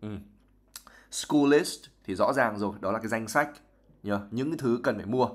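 A man's voice: lowish voice, moderate pace. A young Vietnamese man teaching English vocabulary on a live stream. He reads passages from a novel aloud and then explains each word at length, mixing English terms into his talk.

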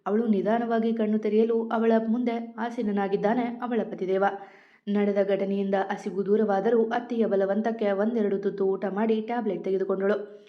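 A woman narrates a romantic storybook tale in a gentle, expressive way. Her voice sits in a middle pitch, and the recording sounds a bit muffled and lo-fi. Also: moderate pace.

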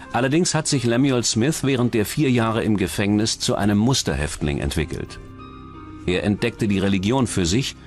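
A man reading scripted true-crime documentary narration as the narrator. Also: on the low side. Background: background music.

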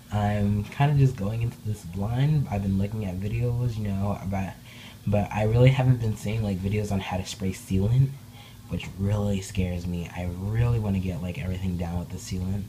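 Brief: woman vlogger, casual and rambling, lots of fillers, excitable, mellow dark tone, faint room hiss behind. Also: rumbling low, poor audio. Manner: rambling, with many filler words; bubbly, excitable. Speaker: doll hobby vlogger. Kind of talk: casual update vlog. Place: indoor room, speaking off camera behind dolls.

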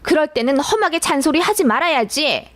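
A woman voicing an older mother-in-law who scolds her daughter-in-law in a drawn-out, lecturing way, read for a narrated story. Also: high-pitched, animated, no room sound, voice pushed up.

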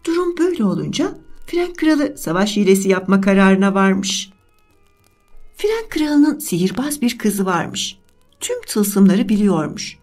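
A woman narrating a bedtime fairy tale in a gentle, measured storytelling manner. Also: medium pitch, sing-song, soft background music.

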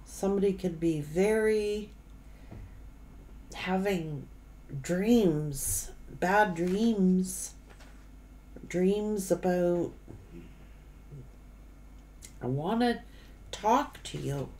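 Slow, halting middle-aged woman reading tarot. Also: fairly low pitch, warm tone, low-quality recording. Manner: halting, broken phrases with repeats. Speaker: tarot reader. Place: indoor room, seated at a table.

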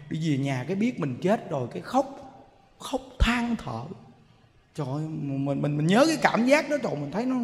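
High-voiced Southern Vietnamese monk preaching. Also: male voice, a bit bright. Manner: emotive storytelling, often addresses the audience. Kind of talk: sermon. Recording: long hall reverb.

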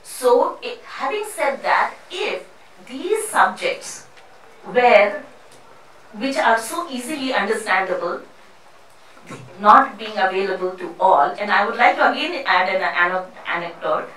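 A middle-aged woman from India addresses a seminar audience through a handheld mic. Her voice is bright and clear, and she talks earnestly, stopping and restarting often. She is picked up from across a boomy, echoing room. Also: lively intonation, a little hiss or hum. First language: not Hindi; English not first language. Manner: halting, many restarts and fillers, earnest. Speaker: panel speaker. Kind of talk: public talk at a panel. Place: seminar room with a panel seated before a screen. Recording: echoey room picked up from a distance.

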